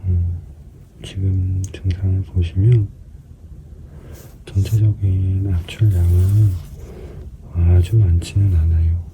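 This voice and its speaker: A man giving a casual explanatory commentary as a skin care practitioner at work, hesitant at times and now and then dropping to a soft murmur. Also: sits low. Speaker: skin clinic practitioner narrating an extraction procedure. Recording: clearly noisy room recording.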